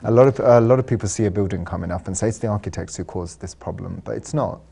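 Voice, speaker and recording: A man's voice: lowish voice, quick pace, vocal fry, dark tone, breathy edge. A man, an artist and designer, answering interview questions thoughtfully in a studio, with frequent ums and you-knows. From London. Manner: thoughtful, uses fillers like um and you know.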